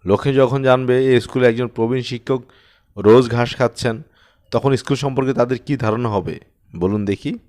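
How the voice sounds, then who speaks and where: A man's voice: mid-range voice, moderate pace, a little mellow, close to an everyday voice. A man voicing a stern, sarcastic male headmaster who scolds coldly and curtly in an audiobook story. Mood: sarcastic, grave. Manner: cold, curt, scolding.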